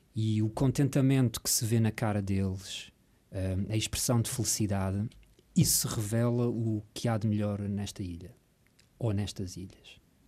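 Recorded very cleanly against a silent background, a man with a fairly low pitch talks at a fairly slow pace in a dark, mellow tone with fairly even intonation. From Lisbon, Portugal. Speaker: writer and teacher. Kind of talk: radio interview.

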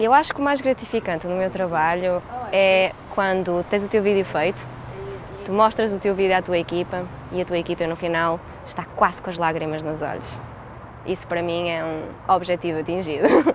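A woman with a fairly low pitch speaks at a moderate pace, using ordinary pitch variation. She leaves long, frequent pauses, and noticeable background noise can be heard. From Portugal. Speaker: video editor. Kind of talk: interview.

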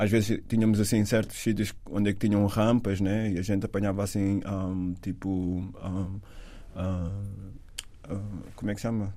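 A man speaks with a fairly low pitch and a dark, mellow tone. His intonation is monotone and flat, broken by long, frequent pauses. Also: moderate pace. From Portugal, Lisbon area (Cova da Moura). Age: 40s. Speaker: activist and cultural organizer. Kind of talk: casual chat.

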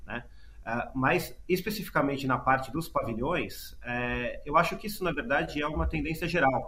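This man speaks at a moderate pace. The room adds audible echo to his voice. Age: young. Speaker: climate activist. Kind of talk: panel discussion.

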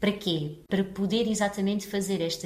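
Noticeable background noise sits behind a woman's voice. She speaks with a European Portuguese accent and fairly even intonation. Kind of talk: radio interview.

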